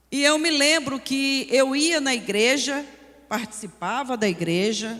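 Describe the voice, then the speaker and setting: A woman speaks very slowly at a high pitch with lively intonation. Audible room echo surrounds her voice. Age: 60s. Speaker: missionary preacher. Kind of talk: sermon with personal testimony.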